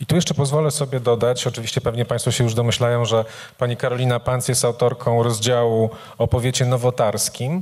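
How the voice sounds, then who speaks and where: A man's medium-pitched voice at a fairly quick pace over a quiet background. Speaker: journalist and moderator. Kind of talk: moderated panel discussion. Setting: stage with audience. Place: hall. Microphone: handheld.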